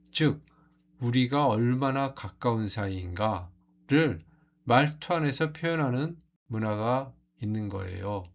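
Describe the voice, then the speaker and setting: A man teaching as a language teacher, explaining culture in a calm, measured way. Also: medium pitch, dull audio.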